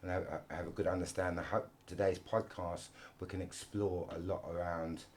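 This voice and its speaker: A middle-aged man from London hosts a relaxed podcast in a very low, deep voice. He talks in an animated, fidgety way, often restarting and repeating words as his thoughts run ahead. A faint ambient hum sits under the recording. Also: a little fast. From London, England. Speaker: podcast host. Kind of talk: casual conversational podcast.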